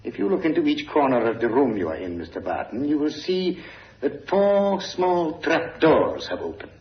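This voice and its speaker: An actor playing Kramer, a cold, sinister villain who gloats with smooth menace, in an old radio drama recording. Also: male voice, fairly high pitch, sing-song, normal speed, roomy sound, dull audio. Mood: gloating.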